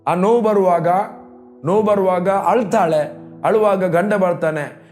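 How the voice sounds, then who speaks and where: Male pastor, storytelling sermon delivery, high voice. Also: a little slow, a little mellow, soft background music. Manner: storytelling preacher, voices quoted pleas.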